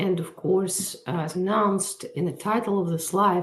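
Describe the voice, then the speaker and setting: A woman's somewhat breathy voice moves at a fairly slow pace, with medium pitch and ordinary pitch variation. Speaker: immigration lawyer. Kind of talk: live stream Q&A. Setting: live stream. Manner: halting with fillers.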